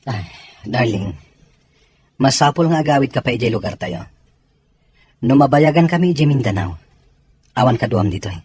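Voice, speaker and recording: A man's voice: mid-range voice, lively intonation, normal speed, long pauses, darkish tone, husky, no echo. A man with a Filipino accent acting an evasive philandering soldier in an audio drama. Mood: matter-of-fact. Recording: some background noise.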